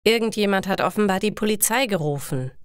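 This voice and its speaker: A woman's voice: medium pitch, expressive, fairly quick, clean tone, no room sound, clean studio sound, natural voice. A woman voicing a kindly male jeweler mixed up in crime, speaking in urgent short statements and commands.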